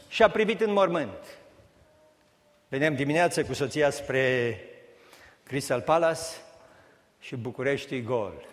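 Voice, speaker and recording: A man's voice: on the high side, a bit bright. A man preaching a sermon, building emphatic repeated phrases and raising his voice at the peaks. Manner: emphatic preaching that rises to raised repetitions. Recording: long hall reverb.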